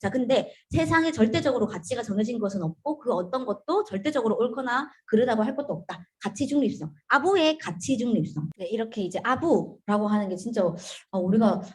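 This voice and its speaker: A woman giving a seminar lecture to business partners, animated, often starting with "자" and asking the room rhetorical questions. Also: on the high side, a little fast, few pauses.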